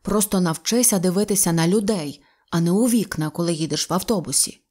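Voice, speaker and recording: A woman voicing a kindly, teasing older shopkeeper in an audio fairy tale, speaking slowly. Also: on the low side, darkish tone, close to an everyday voice.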